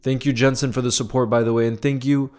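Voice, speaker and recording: A man's voice: mid-range voice, level tone, fast talker, a little mellow, faint music behind. A young man hosting a casual livestream, chatting and reading viewer comments aloud. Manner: conversational, often asks "you know what I mean". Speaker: livestream host.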